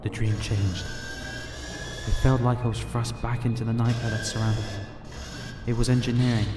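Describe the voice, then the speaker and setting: An actor playing a haunted, grieving but determined survivor on a space station, narrating a first-person audio drama. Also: male voice, mid-range voice, level tone, normal speed, lightly acted. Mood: haunted, fearful. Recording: echoey, loud music behind the voice.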